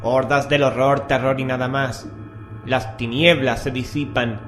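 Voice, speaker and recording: A man with a Spanish accent from Spain hosts a horror radio programme. His delivery is scripted and theatrical, with ominous phrasing. His pitch sits in the middle, and faint music plays behind him. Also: level tone, unhurried, fairly bright tone. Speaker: host and narrator of a horror radio show.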